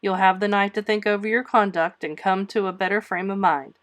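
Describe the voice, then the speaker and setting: A woman's voice: medium pitch, steady tone, fairly quick, natural voice. A woman voicing a stern, dry elderly spinster guardian in a storybook, scolding firmly in clipped phrases.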